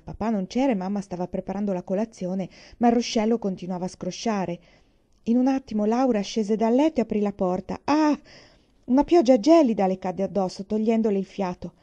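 An expressive woman narrating a storybook aloud. Her voice is very dark and mellow, and she reads vividly. The recording sounds a little dull and lo-fi. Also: mid-range voice.

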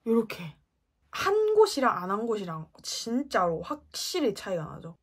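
A young woman in her twenties talking through a makeup tutorial, playful, often dropping to a whisper between bright exclamations. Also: mid-range voice, wildly swooping pitch, moderate pace, husky. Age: 20s. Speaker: beauty vlogger.

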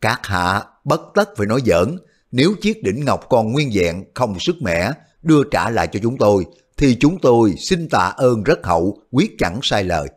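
A man doing a plump, smooth-talking, sly elder disciple from an audio wuxia tale. He soothes and bargains, his voice rising and falling. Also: lowish voice, sing-song, normal speed. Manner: smooth, placating. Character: fat, outwardly gentle, cunning male elder disciple.

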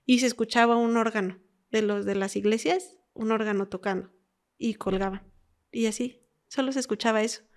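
Smooth-voiced Mexican woman telling stories. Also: on the high side, fairly quick. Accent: Mexican Spanish. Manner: animated storyteller, quotes callers with dramatic whispers and pleas. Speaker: former emergency call operator. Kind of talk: conversational storytelling.

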